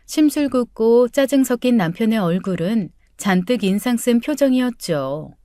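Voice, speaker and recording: A middle-aged woman reading a first-person life story as an audiobook, in a measured, earnest tone. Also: fairly high pitch, dark tone, dry recording, studio quality. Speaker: story narrator.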